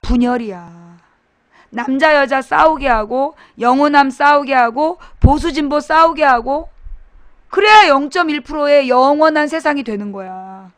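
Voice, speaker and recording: A woman's voice: high voice, measured pace, dry recording. A woman hosting a political talk webcast, talking bluntly and emphatically to her live chat audience and firing rhetorical questions at them.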